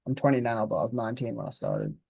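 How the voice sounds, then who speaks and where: A young man of about twenty chats in a relaxed, blunt way, swearing now and then. His voice is mellow and warm, and the recording sounds dry and close. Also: medium pitch, quick pace, vocal fry, slightly rough, no echo. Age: 20s. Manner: laid-back, blunt, swears casually. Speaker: interviewed client. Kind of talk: casual interview chat.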